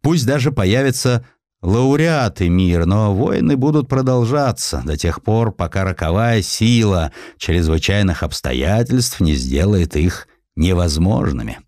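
A man's voice: lowish voice, expressive, measured pace, a little mellow, dry recording, studio quality. A man voicing a proud, embittered, cynical ageing industrialist in a declamatory, emphatic way for an audiobook. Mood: solemn, declaring. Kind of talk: acted quotes in an audiobook.

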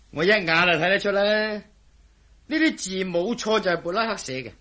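A man playing a sly, smug intelligence chief in a Cantonese radio play, drawling slowly and laughing mockingly. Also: high voice, animated, pushed and bright. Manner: slow, drawn-out, smug delivery with mocking laughs.

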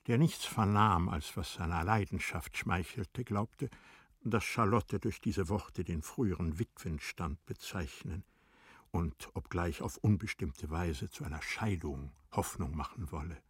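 Male drama narrator, very low pitch, unhurried, formal, literary, articulate. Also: breathy edge, no echo, studio quality.

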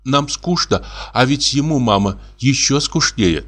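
A man's voice: medium pitch, expressive, measured pace, fairly bright tone, voice pushed up. A man reading aloud and voicing a devoted young wife who speaks earnestly and pleadingly. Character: anxious devoted young wife, turning tearful.

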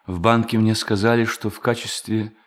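A man's voice: lowish voice, level tone, moderate pace, lightly acted. A man acting a pious, mournful, bookish member of a religious brotherhood in an audio drama, solemn and preachy. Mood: solemn, preaching.

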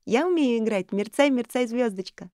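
Woman doing a high excited little girl, storybook reading, dry close sound. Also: normal speed, no echo, close to an everyday voice. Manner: exclaiming, high and bright. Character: young female child, eager and excited.

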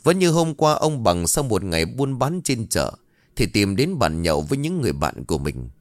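A man narrating a scripted ghost story in an expressive, dramatic way. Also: fairly low pitch, moderate pace, no echo, clean studio sound.

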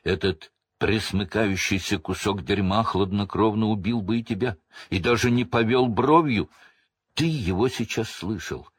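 Man reading as a furious wizard, deep growl, husky, dry, storybook. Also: unhurried, no echo. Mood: grim. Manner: low growling, seething. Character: furious, bitter escaped wizard, adult man.

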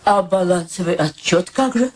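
A woman's voice: on the low side, normal speed, darkish tone, natural voice. An actress playing an effusive, hospitable older mother in a radio play, gushing and insistent as she matchmakes. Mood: curious, concerned.

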